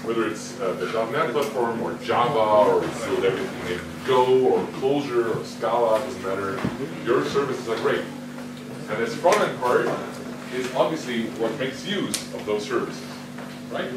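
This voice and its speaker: A man gives a conference talk from a distance, his voice ringing around a large echoey hall. He talks in a questioning, lively way and keeps restarting his sentences. Heavy noise sits under the recording. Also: medium pitch. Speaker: conference speaker. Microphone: no microphone, distant recording.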